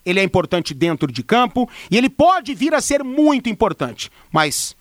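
A man's voice: high voice, very animated, normal speed, no room sound, studio quality. A Brazilian man giving sports opinion on radio, insistent and emphatic, repeating himself for emphasis. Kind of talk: opinion commentary.

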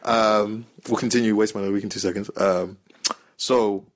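A man's voice: on the low side, steady tone, normal speed. A man with an urban London street accent hosts a casual podcast, using slangy roadman speech and frequent tag questions. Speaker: podcast host. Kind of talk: casual chat, advice and debate.

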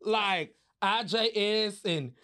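A man hosting a podcast, telling a story in casual chat, animated and profane, laughing as he goes. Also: sits high, slow pace. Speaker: podcast host.

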